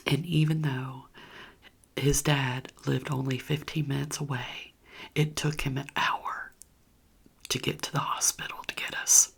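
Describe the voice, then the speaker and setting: A woman's voice: a bass voice, little pitch movement, measured pace, gravelly, slightly rough. A woman whispering a candid personal story straight to her viewers in a chatty, conversational way. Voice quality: whispering throughout.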